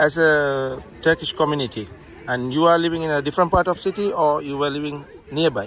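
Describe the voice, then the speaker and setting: With a Tamil accent, a man speaks at a fairly high pitch and a fairly quick pace over light background noise, in a dry sound with no echo. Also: ordinary pitch variation. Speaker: YouTube vlogger doing street interviews. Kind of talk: street interviews. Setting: outdoors on the street. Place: street. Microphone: phone near.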